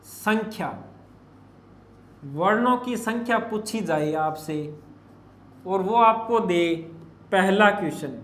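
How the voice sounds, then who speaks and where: A man's voice: sits high, slow, long pauses, fairly bright tone, reverberant, a little hiss or hum. A man teaching Hindi grammar for exam prep, spelling out letters piece by piece and asking and answering his own questions. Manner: addresses students as children, asks and answers his own questions. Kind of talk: exam-prep classroom lecture.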